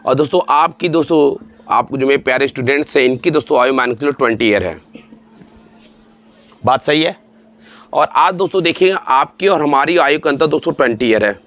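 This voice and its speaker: A man's voice: mid-range voice, a bit bright. A man in his forties teaching exam-prep math, talking students through each step, repeating himself and calling them friends and dear ones. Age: 40s.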